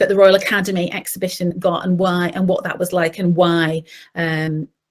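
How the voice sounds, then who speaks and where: A woman's medium-pitched voice in a British accent, moderate in pace and fairly even in intonation. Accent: regional British. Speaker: professor. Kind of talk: lecture. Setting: online conference.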